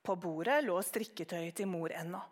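A woman narrating a children's story in a calm, even manner. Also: lowish voice.

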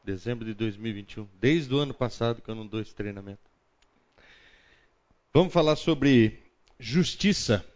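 A man's voice: mid-range voice, expressive, moderate pace, pauses often, a little mellow. Brazilian guy running a bible study, chatty, keeps saying "right?", kinda muffled audio. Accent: Brazilian Portuguese. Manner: chatty, thinks aloud, frequent tag questions. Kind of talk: opening prayer, then conversational teaching.

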